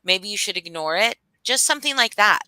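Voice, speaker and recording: A woman's voice: medium pitch, lively intonation, fairly quick, pushed and bright. A woman hosting a casual chat, talking bluntly and animatedly with plenty of swearing. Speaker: host.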